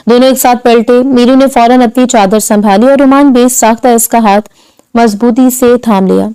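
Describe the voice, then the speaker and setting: A woman reading a romantic novel aloud in soft, measured scripted narration. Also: on the high side, clean tone, low-quality recording.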